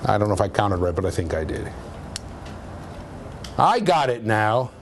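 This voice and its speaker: Male professor, low voice, animated pitch, keeps asking "okay?", classroom tape with light noise. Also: normal speed. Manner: conversational, checks understanding with frequent "okay?". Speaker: university lecturer. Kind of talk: classroom lecture. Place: lecture room.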